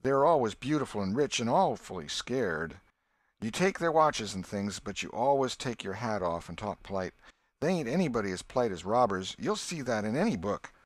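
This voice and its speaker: A man's voice: fairly low pitch, moderate pace, no echo, voice pushed up. A man reading an audiobook, voicing an eager, bossy boy who leads a gang and lectures his friend. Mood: eager, lecturing. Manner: excited, bossy, know-it-all. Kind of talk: audiobook character voice.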